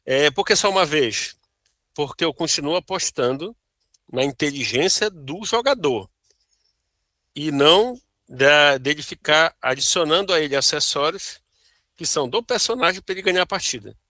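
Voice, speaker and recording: A man's voice: a little high, lively intonation, normal speed, sharp tone, dry recording, studio quality. A Brazilian man, a board game designer, explaining his prototype over a video call, checking in with "né?" and "tá bom?". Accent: Brazilian Portuguese. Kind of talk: casual interview chat.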